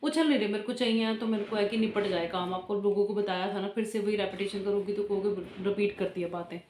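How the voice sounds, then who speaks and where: A woman's voice: medium pitch, steady tone, fast, darkish tone, a little hiss or hum. A woman, chatting casually at home for a family vlog into a phone camera. She rambles on and laughs between sentences. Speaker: family vlogger. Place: at home indoors. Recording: echoey room.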